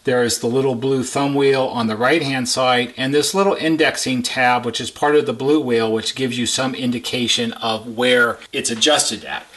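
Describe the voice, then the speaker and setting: A man with a bright, forward voice talks through a technical repair in an informal teaching style. He is plain-spoken and goes step by step, restating key points for emphasis. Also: mid-range voice, steady tone, normal speed, hardly any pauses. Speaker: repair technician giving a how-to demonstration. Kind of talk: informal instructional explanation.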